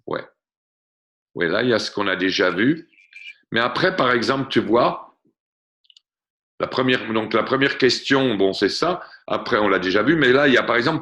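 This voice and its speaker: A man's voice: on the low side, creaky, a bit bright. A man giving a lesson on a video call, patiently explaining grammar and slipping in short English glosses. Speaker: French tutor. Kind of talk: online tutoring session. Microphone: computer mic on a video call.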